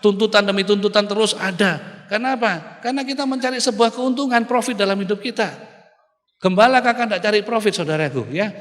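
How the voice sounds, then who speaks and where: A male pastor preaching an animated sermon, often calling out to the congregation. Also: high-pitched, a little fast. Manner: animated preaching, keeps calling the audience "saudaraku". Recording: reverberant hall.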